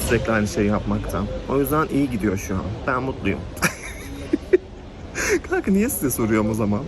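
A chatty young man talks to his vlog camera in an office, his voice rising and falling freely. He giggles often between remarks, and there is clear noise behind him. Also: mid-range voice. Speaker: vlogger. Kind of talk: casual vlog chat to camera. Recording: noisy background.

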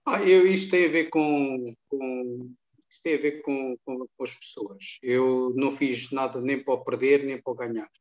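An older man from Angola, a guest in an interview over a video call, telling anecdotes in a calm, chatty way. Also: mid-range voice, moderate pace. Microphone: webcam on a video call. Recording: dull, lo-fi video call audio.

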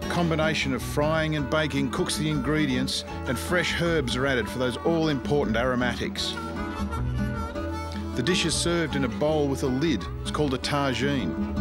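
An Australian man hosting a cooking show, reading an easygoing voice-over narration. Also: medium pitch. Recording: music bed under the voice-over.

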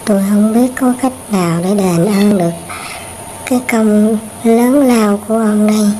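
A woman's voice: mid-range voice, fairly even intonation, unhurried, mellow, natural voice. A woman voicing a grateful, emotional old grandmother in a cartoon, effusively repeating herself. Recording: faintly noisy home-made cartoon dub.

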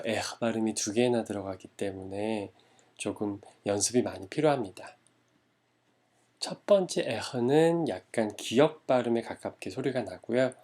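A man teaching a language lesson, modeling each word slowly and repeating it for learners. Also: lowish voice, darkish tone. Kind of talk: slow, careful language lesson.

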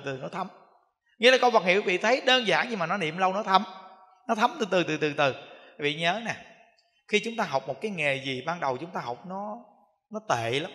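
A man speaking as a Buddhist monk giving a dharma talk with a southern Vietnamese accent, animated and repetitive, acting out everyday examples. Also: high voice. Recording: echoey hall.

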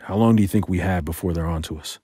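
An actor playing a protective, defiant yet tender male spy in an intimate audio drama, with a husky voice. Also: low voice, fast talker, warm tone, no echo. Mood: wry, resolved.

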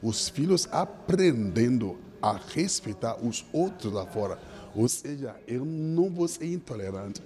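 A man's voice: medium pitch, very animated, a little slow, a little mellow. A man earnestly explaining a point in an interview at an event, speaking into a handheld mic. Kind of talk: interview answer. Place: indoor event venue.

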